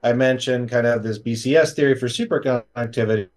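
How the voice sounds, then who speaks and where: A man's voice: mid-range voice, quick pace, a little mellow. A man talking as a guest physicist in an interview, explaining in an earnest way. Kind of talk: casual interview talk.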